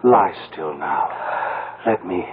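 Radio play casting: young gypsy lover, superstitious, very animated range, tinny vintage broadcast sound. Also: male voice, low voice, slow. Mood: tender. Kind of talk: 1970s radio drama acting.

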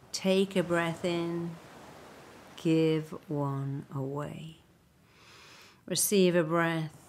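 A woman with an English accent leading a guided meditation, speaking slowly and soothingly, sometimes dropping into a breathy near-whisper. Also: sits low, a little mellow, a little hiss or hum. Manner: slow, soothing, breathy at times. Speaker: hypnotherapist guiding a meditation.

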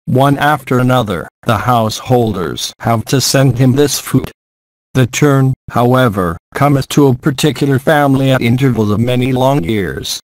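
A man reading the part of a grieving old Brahmana father in an audiobook, with solemn, measured, archaic speech. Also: medium pitch, no room sound, lightly acted, rough recording.

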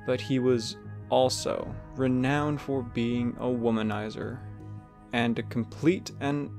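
A man narrates a scripted story in a gravelly, creaky voice of middling pitch. Faint music plays behind him. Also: fairly even intonation, takes it slowly, a little mellow.

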